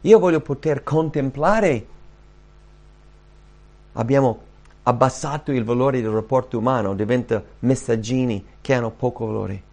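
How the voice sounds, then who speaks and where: A man preaching a sermon, earnest, rising and slowing down when he quotes scripture. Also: medium pitch, darkish tone. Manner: earnest, rises and slows when quoting scripture.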